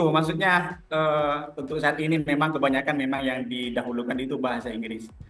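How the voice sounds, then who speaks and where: Background music beneath a man's fairly high-pitched voice, moderate in pace. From Madura, East Java, Indonesia. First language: Madurese (speaking Indonesian). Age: young. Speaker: teacher. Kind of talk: radio interview. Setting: radio studio.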